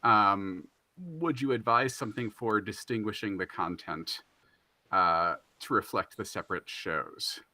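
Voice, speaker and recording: A man's voice: lowish voice, a little slow, sharp tone. A man moderating a panel, putting questions in a polite, slightly hesitant conversational manner. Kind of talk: reading audience questions, conversational.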